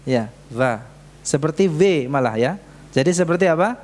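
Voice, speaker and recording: Seorang pria beraksen Indonesia mengajar tajwid di masjid, sering bertanya kepada jamaah dan mencontohkan bacaan Arab perlahan. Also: male voice, a little high, animated, darkish tone. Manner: questions the audience often, demonstrates Arabic sounds slowly. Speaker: Quran recitation teacher. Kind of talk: tajwid lesson with live recitation examples. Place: mosque prayer hall.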